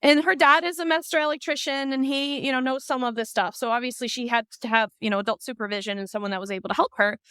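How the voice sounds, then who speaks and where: A woman podcast host from Iceland, chatting in a lively, talkative way with lots of asides. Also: sits high, fast talker, hardly any pauses, clear, resonant tone, dry recording. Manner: chatty, lively, talks through ideas with asides. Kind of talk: casual conversation.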